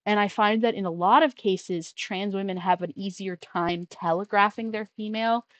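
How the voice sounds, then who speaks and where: A trans man hosting a casual call-in show, talking in a rambling way with many restarts and trailing off quietly. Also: high voice, fairly even intonation, normal speed, no echo. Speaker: podcast host taking call-ins. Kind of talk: casual conversational chat.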